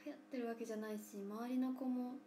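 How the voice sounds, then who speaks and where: A woman in her twenties hosting a casual livestream, speaking softly and often dropping to a near whisper, with playful drawn-out thank-yous to viewers. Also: on the high side, level tone, soft background music. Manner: soft-spoken, often drops to a near whisper. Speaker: idol livestream host. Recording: roomy room with faint hum.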